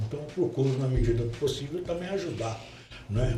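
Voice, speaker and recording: Room echo is audible. A man speaks with lively intonation. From Rio de Janeiro, Brazil (Copacabana, Zona Sul). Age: 70s. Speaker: accounting professor. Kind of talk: interview.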